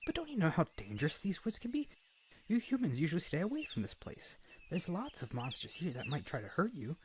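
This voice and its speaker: Man playing an excitable harpy boy, swooping expressive pitch. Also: a little hiss or hum. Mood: curious, approving. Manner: rambling, earnest, nervously chattering, addressing the listener directly. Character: excitable, naive, eager-to-please young male harpy suitor. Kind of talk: ASMR roleplay audio drama.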